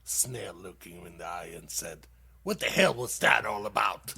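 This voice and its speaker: A man from Sweden, hosting a dad-joke comedy show and laughing loudly at his own punchlines. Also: lowish voice, normal speed, gravelly, a little hiss or hum. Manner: casual, calls listeners dude. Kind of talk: dad-joke stand-up on internet radio.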